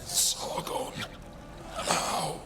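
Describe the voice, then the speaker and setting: An actor playing a weary, despairing old soldier in a video game, speaking in a strained, halting, solemn way over watery background noise. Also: male voice, over music. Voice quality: gravelly, strained. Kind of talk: video game cutscene acting.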